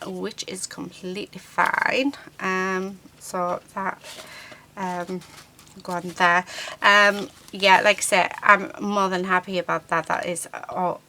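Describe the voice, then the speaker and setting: A woman hosting a casual paper-craft tutorial, croaky from a sore throat, chatty and often hunting for words between ums. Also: medium pitch, sharp tone. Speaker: craft channel host. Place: craft table indoors.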